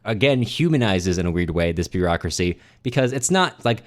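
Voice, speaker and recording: A man's voice: deep voice, very animated, brisk. A man hosting a podcast, talking through literature in a casual, conversational way. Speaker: podcast host.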